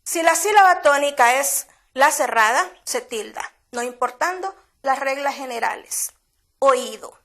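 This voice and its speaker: A woman teacher with a Honduran Spanish accent, giving a slow, deliberate grammar lesson for schoolchildren and repeating key words. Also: high voice, lively intonation, fairly bright tone.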